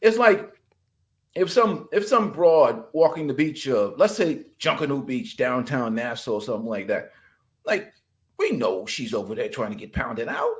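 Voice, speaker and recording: A man's voice: medium pitch, normal speed. A man from the Bahamas, a podcast guest talking in an emphatic, opinionated, casual way. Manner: emphatic, animated, laughs while talking.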